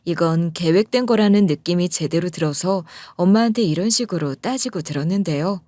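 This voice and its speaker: A woman's voice: lowish voice, brisk, warm tone, no room sound. A woman narrating a personal story in a confiding, conversational manner.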